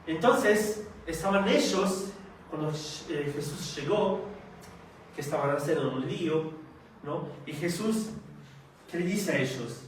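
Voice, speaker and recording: A fairly high-voiced man preaches in an unhurried, halting way, pausing often and asking his listeners questions. He sounds far from the mic, and his voice bounces around a very echoey meeting hall. Faint room ambience sits underneath. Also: expressive, a little hiss or hum. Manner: slow and halting, with frequent hesitations and rhetorical questions. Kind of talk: sermon.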